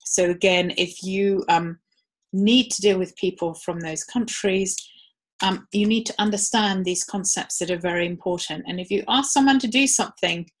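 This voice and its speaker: A woman giving a live webinar talk in a conversational way, with frequent ums. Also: on the low side. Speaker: webinar presenter.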